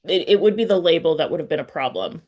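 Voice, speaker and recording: A woman's voice: sits low, lively intonation, fast, a little mellow. A woman interviewer in casual, personal conversation, earnest and often searching for her words. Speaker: podcast interviewer.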